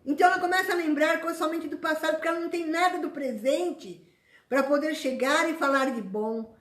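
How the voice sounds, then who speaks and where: A woman preaching a sermon in an animated way, acting out the complaints of other people. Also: high voice, a little fast. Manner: animated, acts out complaining voices. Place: church hall. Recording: echoey church room.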